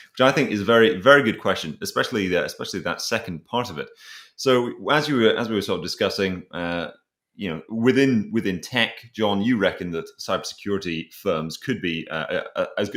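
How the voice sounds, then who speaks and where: Low-voiced male interviewer in an echoey room. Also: fairly bright tone. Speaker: interviewer, host. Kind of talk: casual interview chat. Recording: echoey, roomy sound.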